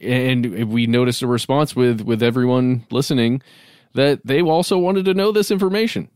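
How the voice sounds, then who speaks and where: A man's voice: medium pitch, moderate pace, a little mellow, clear, resonant tone, no echo, clean studio sound. A man chatting casually as the host of a podcast. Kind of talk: casual chat.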